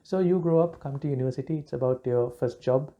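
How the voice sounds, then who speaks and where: A man from Sri Lanka, a Buddhist monk giving a relaxed dharma talk, pausing often with fillers and restarts. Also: mid-range voice, muffled recording. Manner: halting, many fillers and restarts.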